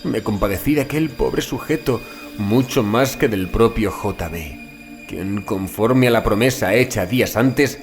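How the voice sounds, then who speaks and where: A man narrating a horror audiobook in a dramatic, solemn and deliberate literary manner. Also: fairly low pitch. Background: background music.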